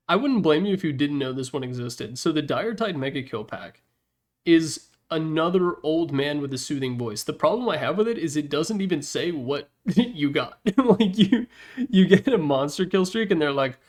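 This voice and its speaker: A man's voice: fairly high pitch, animated, normal speed, a little mellow. A young man giving casual, opinionated commentary on video games in an informal, slangy, joking way.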